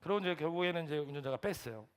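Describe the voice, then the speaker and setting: A man in his thirties preaching a sermon to young adults, telling a story and acting out the shouting voices in it. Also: on the high side, expressive, rapid-fire, clear, resonant tone. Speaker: pastor.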